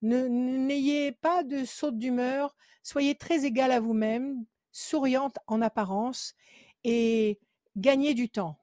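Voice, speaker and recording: A woman's voice: high-pitched, fairly even intonation, slow, warm tone, no echo, clean studio sound. A woman working as a psychic on a call-in show. She gives firm advice again and again and counts cards under her breath. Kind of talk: phone consultation with card reading.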